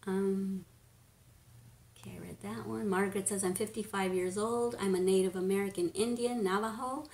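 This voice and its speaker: A woman in her fifties chatting casually on a home live stream, rambling, laughing often and sometimes dropping to a hush. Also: medium pitch, steady tone, normal speed. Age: 50s. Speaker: beauty vlogger, live stream host. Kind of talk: casual live-stream chat reading comments. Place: living room at home, indoors. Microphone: webcam at desk distance. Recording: echoey room.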